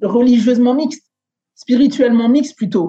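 A high-pitched female voice, dark and mellow in tone. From France. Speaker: ethno-coach. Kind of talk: interview. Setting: podcast.

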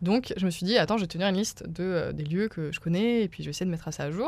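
The pitch varies in an ordinary way. It is a very clean recording with a silent background. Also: woman. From France, Vosges (Remiremont). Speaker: founder and director of a non-profit. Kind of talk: radio interview. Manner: animated.

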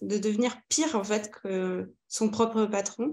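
Very slow in pace, a woman speaks with fairly even intonation. Her pitch is fairly high. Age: 20s. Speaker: business mentor. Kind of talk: casual chat.

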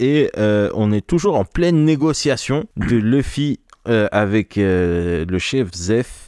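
With a dark, mellow tone and lively intonation, a man speaks at a medium pitch in a dry, close sound with no echo. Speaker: podcast co-host. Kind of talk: casual chat. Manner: laughs a lot.

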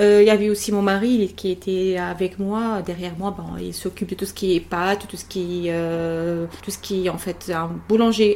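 This woman has a Tunisian accent and a medium pitch. She talks at a fairly slow pace with monotone, flat intonation. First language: Tunisian Arabic (speaking French). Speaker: baker. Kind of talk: interview testimony. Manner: halting, many hesitations and repetitions.

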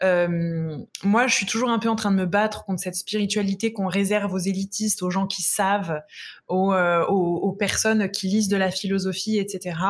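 This woman speaks at a moderate pace and a medium pitch. Her intonation is monotone and flat, and the recording is very clean with a silent background. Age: 30s. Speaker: life coach and entrepreneur. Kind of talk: interview conversation.

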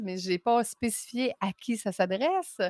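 Lively in intonation, a woman speaks with a Quebec accent at a fairly slow pace. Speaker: podcast host, business coach. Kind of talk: casual podcast talk. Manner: hesitant, many fillers.

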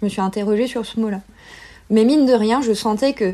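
The woman's voice has a dark, mellow tone. She keeps a moderate pace. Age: 30s. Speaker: artist and eco-construction trainer. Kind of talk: personal testimony. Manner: halting, many hesitations.

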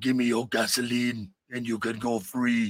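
A man uses a put-on character voice with a menacing tone and medium pitch. His delivery is flat and monotone at a moderate pace.

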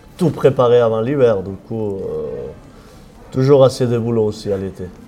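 Noticeable background noise sits behind the speech. The pace is moderate, and the pitch varies in an ordinary way. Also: man. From Catalonia (Cerdagne). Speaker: ski patroller. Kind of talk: casual interview.

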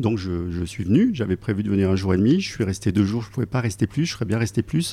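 Very fast and fairly low-pitched, a man talks in a dark, mellow tone with ordinary pitch variation. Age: 50s. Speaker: travel company founder. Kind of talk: interview.

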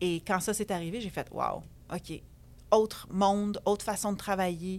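On a very clean recording with a silent background, a woman at medium pitch talks at a fairly slow pace with monotone, flat intonation. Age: 50s. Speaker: choreographer and dance school founder. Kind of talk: casual interview.

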